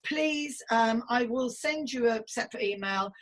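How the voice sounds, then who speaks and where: A woman's voice: on the high side, unhurried, a bit bright. A woman in her fifties hosting a casual conversational podcast interview in an effusive, chatty, playful way. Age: 50s. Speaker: podcast host.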